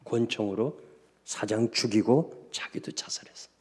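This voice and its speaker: A Korean man preaching a revival sermon, telling stories and swinging between hushed asides and loud exclamations. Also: lowish voice, a little slow, husky. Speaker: pastor. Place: church sanctuary. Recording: long church reverb.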